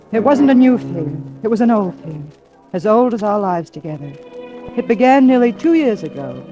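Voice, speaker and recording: An actress playing an anxious, bedridden wife of a music professor in a 1940s radio drama, narrating with quiet fear. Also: female voice, fairly high pitch, natural voice. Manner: fearful, confiding narration. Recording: dull old radio broadcast recording.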